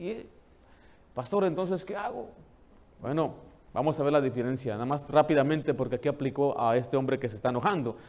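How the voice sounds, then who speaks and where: A man preaching a sermon as pastor, animated, asking the congregation questions and acting out the people he quotes. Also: fairly high pitch. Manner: acts out quoted dialogue in changed voices.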